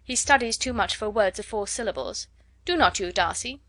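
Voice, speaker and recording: A woman voicing a good-natured young gentleman who protests good-humouredly. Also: mid-range voice, animated, moderate pace, no echo.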